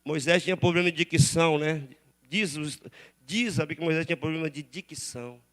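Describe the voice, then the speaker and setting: A Brazilian man preaching in a church, his voice sitting high for a man. He leads the congregation in call-and-response, urging them to repeat his lines and praise aloud. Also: brisk, fairly bright tone. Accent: Brazilian Portuguese. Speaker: pastor. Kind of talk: sermon. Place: church sanctuary.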